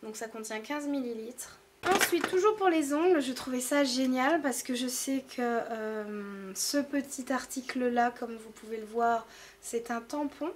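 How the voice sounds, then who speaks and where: Chatty woman, fairly high voice. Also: measured pace, slight background noise. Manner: chatty, hesitant, many fillers. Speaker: beauty vlogger. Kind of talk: casual product haul talk.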